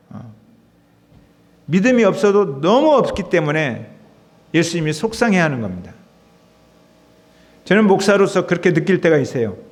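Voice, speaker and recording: High, animated pastor preaching in a reverberant church. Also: male voice. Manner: emotive, conversational preaching to the congregation. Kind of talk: sermon. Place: church sanctuary.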